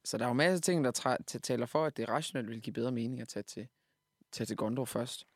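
A man's voice: medium pitch, husky, no echo, studio quality. A man discussing a book on a podcast, thoughtful and hesitant with many fillers.

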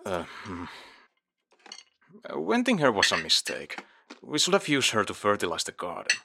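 A man's voice: lowish voice, huge pitch swings, normal speed, creaky, heavy background noise, exaggerated voice. A man playing a practical, tactless father in an audio drama, earnest and hesitant.

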